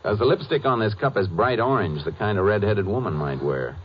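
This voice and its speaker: A man acts out a stern, shrewd lawman in an American radio western of the 1950s. His voice sits very low and stays dry and unruffled. The old recording sounds dull. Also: expressive, a little fast, a little hiss or hum, lightly acted. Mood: stern, probing. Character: stern, shrewd Texas Ranger, calm and dogged. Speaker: lead investigator and narrator. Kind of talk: 1950s radio drama acting.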